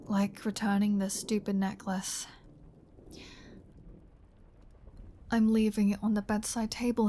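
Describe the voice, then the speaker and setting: Woman playing a slow-talking, flirty vampire woman. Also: medium pitch, dark tone, lightly acted. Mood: teasing, soft. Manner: slow, teasing, sardonic, intimate, often dropping to a whisper. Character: flirty, teasing female vampire, playful predator with a caring streak. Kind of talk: ASMR roleplay audio drama.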